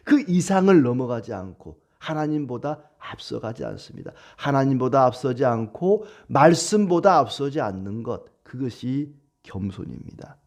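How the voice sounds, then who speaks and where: A man preaching a sermon as a pastor, animated, with acted quotes. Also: mid-range voice, normal speed, vocal fry, few pauses.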